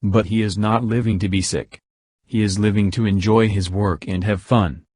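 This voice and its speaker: A man reading a self-help book aloud as an audiobook narrator, in a steady, measured way. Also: on the low side, no echo.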